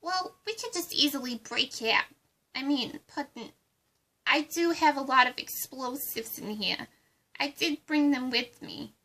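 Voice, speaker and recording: Woman playing a giddy unhinged villain girl, put-on accent, bubbly, very high, drawn-out delivery. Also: bright, forceful tone. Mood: manic. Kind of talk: amateur fan roleplay.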